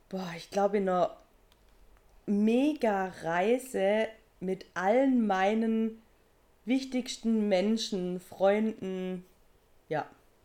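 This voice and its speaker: A woman speaks very slowly in a dark, mellow tone, leaving long, frequent pauses. Her pitch is medium with ordinary variation, and her loudness swings widely. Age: 40s. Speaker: interviewee. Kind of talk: recorded interview answers.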